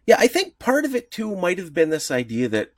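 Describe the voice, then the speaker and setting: In clean studio sound with no room noise, a man co-hosts a podcast at a fairly quick clip, his pitch swooping wildly. He rambles casually and chuckles a lot.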